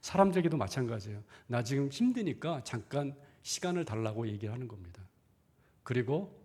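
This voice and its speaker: A man's voice: mid-range voice, darkish tone, husky. A middle-aged man, a pastor, preaching a conversational sermon in a church, asking rhetorical questions and acting out inner thoughts. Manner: acts out inner thoughts in quoted asides. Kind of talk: sermon seminar. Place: church sanctuary.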